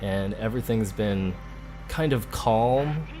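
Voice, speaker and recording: Low-voiced man, relaxed game commentary. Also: takes it slowly. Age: adult, parent of a school-age child. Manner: relaxed, chatty, thinking aloud. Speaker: let's play host. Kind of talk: casual gameplay commentary. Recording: game music behind the voice. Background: video game music.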